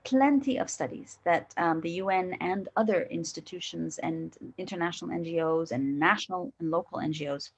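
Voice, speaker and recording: Deliberate woman speaker, slightly low voice. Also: slight background noise. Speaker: guest speaker answering questions. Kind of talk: considered expert answer on a virtual panel. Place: online video call.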